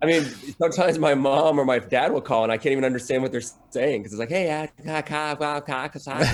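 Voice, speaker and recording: Over noticeable background noise, a man speaks fairly quickly with an American accent. His pitch sits fairly high. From Massachusetts, Methuen area near Boston. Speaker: rock musician. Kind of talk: podcast interview.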